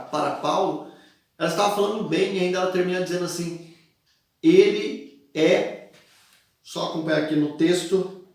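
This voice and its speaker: A Brazilian man preaching a sermon as pastor, teaching with emphatic repetition and dramatic pauses. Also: fairly high pitch, gravelly, darkish tone. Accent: Brazilian Portuguese. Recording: echoey room, voice from a distance.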